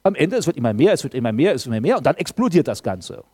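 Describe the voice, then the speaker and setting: A man's voice: on the high side, big pitch swings, rapid-fire, darkish tone, husky. A middle-aged man preaching a sermon in an emphatic way, full of rhetorical questions. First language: German speaker married to a Frenchwoman.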